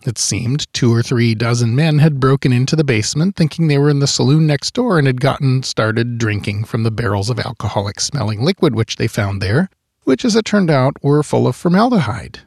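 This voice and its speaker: A man's voice: medium pitch, lively intonation, brisk, darkish tone, breathy edge, dry recording. A man telling a local history tale in scripted narration, with wry, dry humorous asides. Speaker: history podcast host.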